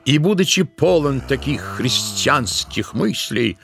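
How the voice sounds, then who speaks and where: A man's voice: medium pitch, very animated, slow, creaky, fairly bright tone, heavily acted. A man reading scripted literary narration as the narrator of an audio play. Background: music.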